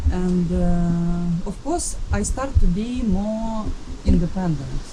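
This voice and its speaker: In a Russian accent, a woman at medium pitch speaks at a very slow pace with ordinary pitch variation, amid noticeable background noise and audible room echo. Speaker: traveler. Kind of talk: interview. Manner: halting.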